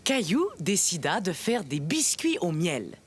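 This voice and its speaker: A woman playing a kindly grandmother who narrates bedtime stories in a children's cartoon with expressive, unhurried telling. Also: lowish voice. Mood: warm storytelling.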